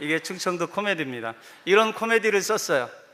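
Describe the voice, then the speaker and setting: A man's voice carries a bright, sharp tone. His delivery is animated, with lively intonation. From Seoul (Wangsimni). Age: 50s. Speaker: film director and comedy writer. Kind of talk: testimony.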